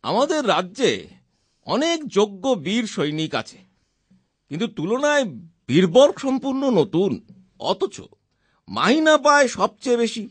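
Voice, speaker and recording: Scheming cartoon courtier: envious, theatrical, high and swooping, dry sound. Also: male voice, big pitch swings, unhurried, long pauses, husky, no echo, full character voice. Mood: envious, persuasive. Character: envious scheming royal chief minister. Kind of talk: Bengali children's cartoon acting.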